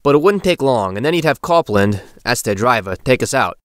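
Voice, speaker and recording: An actor playing a haunted, restless young man who recounts events in a halting, slangy way for an audio drama. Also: mid-range voice, expressive, a bit bright, dry recording, clean studio sound, close to an everyday voice. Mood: restless, rueful. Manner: colloquial, halting, informal.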